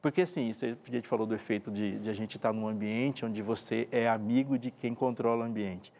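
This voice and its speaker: Expressive Brazilian pastor. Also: male voice, lowish voice, a little fast. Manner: expressive, acts out quoted dialogue. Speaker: pastor and TV presenter. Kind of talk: devotional talk show conversation.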